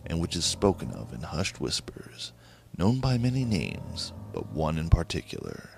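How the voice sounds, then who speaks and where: A man hosting a horror anthology, reading scripted narration in a slow, hushed, ominous way. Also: extremely low pitch, wildly swooping pitch, vocal fry, faint music behind.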